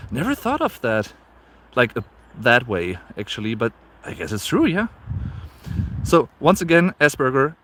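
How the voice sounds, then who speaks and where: Out on a snowy walk, a man in his late 20s with a German accent keeps up a chatty live stream, reading viewers' comments out loud and often repeating himself or using fillers. His voice is medium in pitch and a bit bright.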